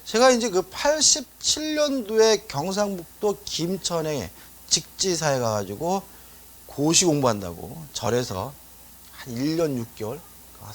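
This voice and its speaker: A middle-aged man teaches law for an exam course in a conversational way. His pitch rises and falls a great deal. He keeps asking the class rhetorical questions. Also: very animated, moderate pace. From Seoul, South Korea. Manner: chatty, asks rhetorical questions, tells anecdotes. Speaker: law lecturer. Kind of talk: exam-prep lecture.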